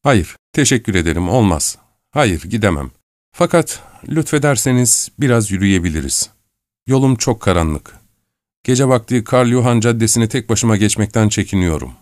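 Shy young woman, polite, guarded, raised pitch, man's voice, dry close mic. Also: lively intonation, moderate pace, dry recording, lightly acted. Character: shy reserved young woman, night walker. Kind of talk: audiobook reading.

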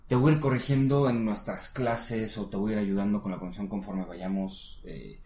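A man's voice: fairly low pitch, fairly even intonation, mellow. Guy w coaching english sounds, patient, roomy echo. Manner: patient, coaching, models words slowly. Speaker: English teacher. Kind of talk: casual one-on-one lesson.

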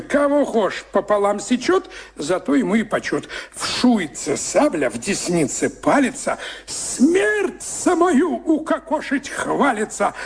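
A man narrating a rhymed folk tale for a radio play in a playful, declamatory theatrical manner. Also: high-pitched. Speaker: storyteller.

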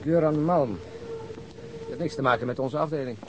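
A man's voice: a little high, a little fast, natural voice. Man playing sardonic, grumbling police detective, faint noise. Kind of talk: naturalistic radio drama acting.

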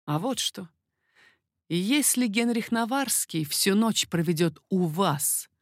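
A woman voicing an amorous, confident king in a storybook reading, lowering her voice and speaking slowly and insistently. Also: lively intonation, dry recording, studio quality. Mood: slow persuasive. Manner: low, slow, insistent. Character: amorous middle-aged man, a king, confident and ardent.

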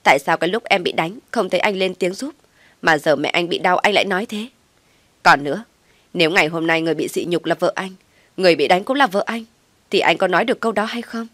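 A woman's voice: fairly low pitch, fast talker, dry recording. A woman voicing a defiant pregnant daughter-in-law. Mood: indignant. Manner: sharp, argumentative.

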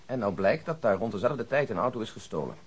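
A man's voice: on the low side, animated, quick pace, husky. A man playing a businesslike police detective in a radio play, briefing in an orderly, factual way and keeping to the point. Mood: matter-of-fact. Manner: matter-of-fact, orderly briefing.

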